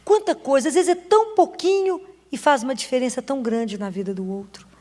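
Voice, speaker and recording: Woman, Brazilian Portuguese accent, high voice, earnest sermon, long hall reverb. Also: a little fast, warm tone. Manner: emotional and earnest, with short urging phrases. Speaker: Catholic preacher.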